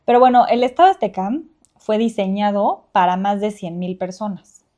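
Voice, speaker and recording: Young Mexican woman, casual podcast co-host; mellow voice, chatty, lots of fillers. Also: mid-range voice, moderate pace, dull audio. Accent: Mexican Spanish. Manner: chatty, laughs often, many fillers. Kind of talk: casual chat.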